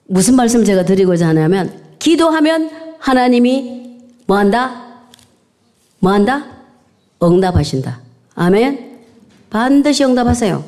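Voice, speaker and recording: An older woman delivers a sermon in a fairly high-pitched voice. She speaks as a preacher exhorting her congregation, coming back to key phrases and repeating them for emphasis. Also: sing-song, a little slow, pauses often, warm tone. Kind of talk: sermon to a congregation, with scripture reading and amen prompts.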